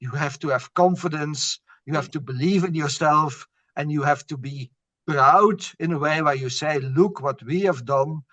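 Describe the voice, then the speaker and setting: A man's voice: on the high side, normal speed, fairly bright tone, no echo. A middle-aged man, a bank strategist, answering interview questions earnestly and often repeating words as he searches for them. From Belgium. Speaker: bank chief strategist, guest.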